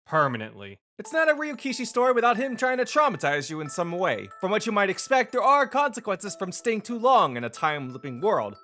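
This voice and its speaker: Bright, high-pitched man reviewing, very animated. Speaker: video game reviewer. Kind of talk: scripted review narration. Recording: music behind the voice. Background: background music.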